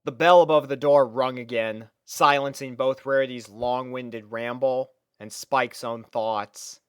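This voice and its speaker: A man's voice: mid-range voice, fairly even intonation, a little slow, clear, resonant tone, no echo, studio quality. A man reading scripted story narration as the narrator of a piece of fiction.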